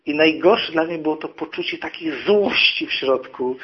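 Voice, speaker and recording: Higher-voiced man preaching with personal stories. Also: moderate pace, breathy edge, muffled recording. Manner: storytelling, acting out quoted people. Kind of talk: sermon with personal testimony.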